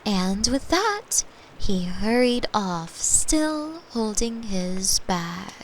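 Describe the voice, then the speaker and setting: A woman playing a caring, gently teasing girlfriend, telling a soft bedtime story with unhurried delivery and playful asides. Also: mid-range voice, sing-song, a little hiss or hum. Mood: gentle, soothing. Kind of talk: soft bedtime storytelling, sleep-aid roleplay.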